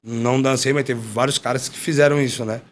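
A man, a former fighter, telling a story in casual chat, slangy and animated, acting out what others said. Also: medium pitch, a little fast, a little hiss or hum. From Brazil. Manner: animated, slangy, acts out quoted dialogue. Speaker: podcast guest, former MMA fighter.

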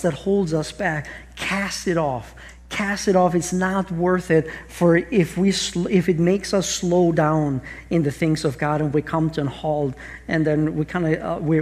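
Man, Austrian accent, middle-aged pastor, earnest sermon, slightly high voice, restarts sentences. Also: a little mellow. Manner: earnest, with frequent restarts and rhetorical questions. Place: large church stage with audience.

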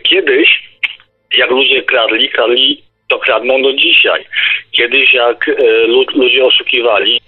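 A man's voice: mid-range voice, steady tone, measured pace, husky. A man in casual, opinionated discussion over a narrow phone line, insistently explaining with examples and stumbling over repeated words. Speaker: discussion participant on a radio show. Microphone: phone or internet call.

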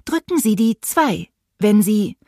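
A woman's voice: medium pitch, sing-song, mellow, no echo, studio quality, pitched above the performer's own voice, exaggerated voice. A woman doing a relentlessly friendly phone robot. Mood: politely robotic. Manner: polite, measured, unflappable.

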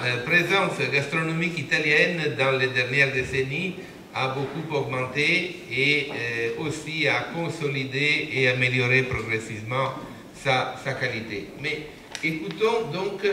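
An older man moderating a conference panel, introducing the next speaker with frequent pauses and fillers. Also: mid-range voice, bright, forceful tone. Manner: halting, many pauses and fillers. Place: conference room. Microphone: table mic on stand. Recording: echoey room, distant mic, background noise.

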